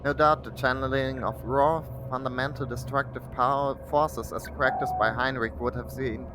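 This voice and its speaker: Male game streamer, German accent, medium pitch, reads texts aloud with offhand commentary, noisy recording. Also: steady tone, moderate pace.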